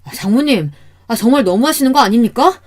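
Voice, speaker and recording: A woman's voice: medium pitch, animated, normal speed, warm tone, husky. A woman voicing a frustrated middle-aged son-in-law who complains with sighing "ah"s. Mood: exasperated. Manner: exasperated pleading, sighing "ah" before complaints.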